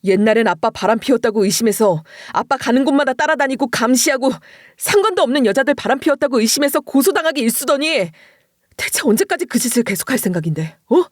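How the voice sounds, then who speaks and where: A fed-up young husband, voiced by a woman, bursts out at last, his pleading turning to shouts. The delivery swings widely, pitched fairly high for the man he plays. The recording is dry and close. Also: animated, quick pace, no room sound. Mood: furious. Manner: pleading, then shouting in frustration. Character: exasperated young husband, normally quiet and reserved. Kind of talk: dramatized story reading.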